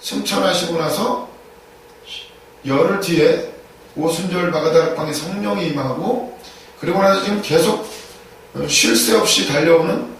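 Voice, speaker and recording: Man preaching, slightly higher voice, emphatic repetitions, rhetorical questions, very echoey church, distant mic, faint background noise. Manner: emphatic, repeats key phrases, asks rhetorical questions. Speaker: pastor. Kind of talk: sermon.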